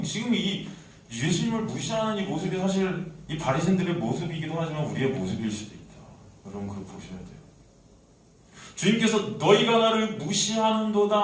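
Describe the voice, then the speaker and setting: Preaching Korean pastor in echoey hall. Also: male voice, on the high side, a little hiss or hum. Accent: Seoul Korean. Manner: dramatic swings from soft to loud, acting out voices. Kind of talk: sermon. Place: church sanctuary. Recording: echoey church hall, mic at a distance.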